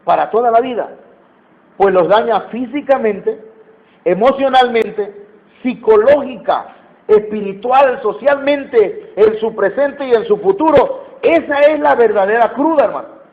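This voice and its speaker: High-voiced Mexican preacher. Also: male voice, measured pace. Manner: emphatic, repeats key phrases, asks the congregation questions. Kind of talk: sermon. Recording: tinny phone-like sound.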